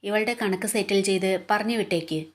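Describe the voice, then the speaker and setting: A woman's voice: medium pitch, fairly quick, lightly acted. Woman narrator doing a furious male boss in a storybook, harsh and scolding, barely voiced apart. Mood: angry.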